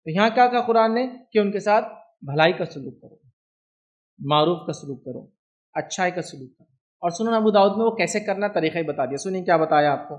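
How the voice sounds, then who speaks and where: A man's voice: high voice, animated, a little fast. A man with an Indian accent giving an Islamic lecture, talking in a chatty way and often asking his listeners whether they understand. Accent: Indian Hindi-Urdu. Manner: conversational, keeps asking "do you understand?". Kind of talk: religious lecture.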